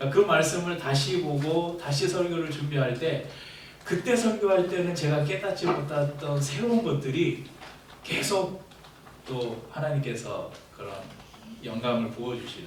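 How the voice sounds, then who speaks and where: The speaker uses lively intonation at a fairly slow pace with long, frequent pauses, with noticeable background noise and audible room echo. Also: man, fairly high pitch for a man. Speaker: pastor. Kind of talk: sermon.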